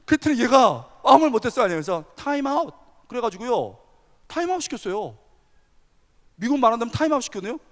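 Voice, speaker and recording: A male pastor preaching a sermon, telling a story with animated energy and asking the audience questions. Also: extremely high pitch, quick pace. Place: large church hall. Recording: long hall reverb.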